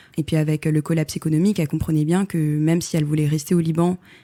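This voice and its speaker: Her dark, mellow voice sits at a fairly low pitch and moves at a fairly quick pace. The recording is very clean, with a silent background. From France and Thailand. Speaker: photographer. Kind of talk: interview answer.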